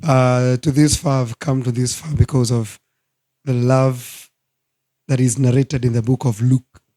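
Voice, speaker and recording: A hoarse man in his thirties, a guest minister speaking earnestly in a studio talk show interview. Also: medium pitch, fairly even intonation, warm tone. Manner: slow, earnest, preacherly.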